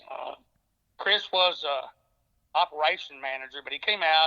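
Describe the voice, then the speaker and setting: A high-pitched man's voice with a western Kentucky accent. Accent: western Kentucky Southern US. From Paducah, Kentucky. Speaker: construction safety manager. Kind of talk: interview storytelling.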